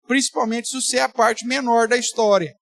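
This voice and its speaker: A man's voice: very high-pitched, steady tone, a little fast, creaky. A man, a pastor teaching a Bible study in a conversational way with playful exaggeration. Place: church.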